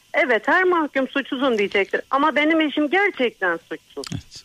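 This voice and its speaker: The speech runs at a moderate pace with very wide pitch swings, and the sound is dry and close with no echo. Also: woman. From Artvin, Turkey. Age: under 51. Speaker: caller, wife of a prisoner. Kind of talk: emotional phone call to radio show.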